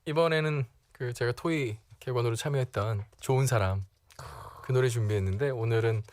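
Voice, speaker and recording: A man's voice: medium pitch, fairly quick, darkish tone. A man appearing as a guest singer on a radio show, telling stories about his career in a playful, self-mocking way. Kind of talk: casual radio chat.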